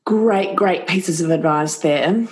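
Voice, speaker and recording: A woman's voice: on the low side, slow pace. A woman hosting an interview, asking questions and reacting to her guest with encouraging, enthusiastic comments. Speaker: interviewer, host. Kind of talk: casual interview.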